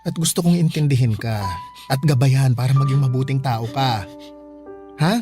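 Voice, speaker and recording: A man's voice: medium pitch, normal speed, music in the background, natural voice. A man playing a flamboyant gay adoptive mother, stern but doting, in a Filipino radio drama, with campy Filipino delivery. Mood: stern, caring. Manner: campy, scolding then tender, slang-heavy.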